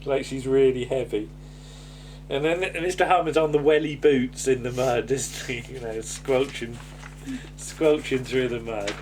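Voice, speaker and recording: A man's voice: mid-range voice, steady tone, measured pace, a little mellow, a little hiss or hum. A man chatting casually as a co-host recapping a comedy, hesitant and meandering, often repeating words and tailing off. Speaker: podcast co-host.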